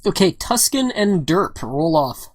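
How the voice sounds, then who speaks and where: A woman's voice: fairly low pitch, sing-song, measured pace, a little mellow, dry recording. A woman narrating as game master of a tabletop game, casual and often laughing, with many "all right"s and "uh"s.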